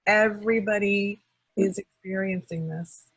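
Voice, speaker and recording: A woman practitioner guiding a call-and-response tapping session, speaking calmly in short phrases for her client to repeat. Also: mid-range voice, unhurried, breathy edge, poor audio.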